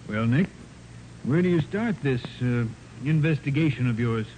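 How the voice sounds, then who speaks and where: A man's voice: medium pitch, lively intonation, moderate pace, natural voice. An actor playing a genial male family doctor in a 1940s radio crime drama. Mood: affable. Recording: noisy 1940s radio recording.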